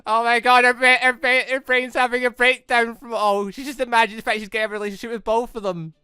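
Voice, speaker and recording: An excitable, rambling gaming channel host giving casual let's play commentary, prone to breaking into laughter, on a close mic. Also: mid-range voice, fast, smooth, no room sound.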